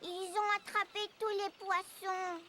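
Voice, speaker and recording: A performer voicing a curious, excitable four-year-old boy in a children's cartoon, with a childlike, inquisitive delivery. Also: very high-pitched, measured pace, a little hiss or hum, heavily acted.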